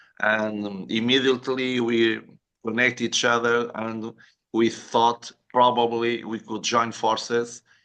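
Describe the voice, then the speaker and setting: Against a quiet background, a man with a bright, sharp tone and a medium pitch speaks very slowly in a monotone, flat intonation. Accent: Portuguese. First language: Portuguese. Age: 60s. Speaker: personal development coach, company founder. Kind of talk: interview.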